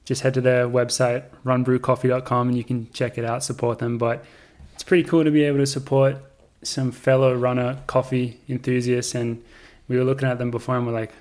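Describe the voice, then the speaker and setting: Young NZ male co-host, laid-back rambling chat, flat intonation. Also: medium pitch, a little fast. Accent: New Zealand. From New Zealand. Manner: relaxed, rambling, laughs often. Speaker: podcast co-host. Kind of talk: casual chat.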